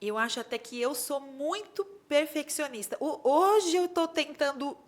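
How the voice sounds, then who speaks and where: A woman guest on an interview podcast, telling stories in a casual, animated way and acting out dialogue in them. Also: sits high, measured pace. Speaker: podcast guest, bridal designer. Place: podcast studio.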